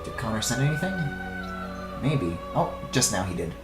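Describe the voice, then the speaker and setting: A man's voice: medium pitch, very animated, normal speed, roomy sound, over loud music. A young man streaming himself drawing, chatting casually, swearing and trailing off mid-thought. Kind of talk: casual chat while drawing.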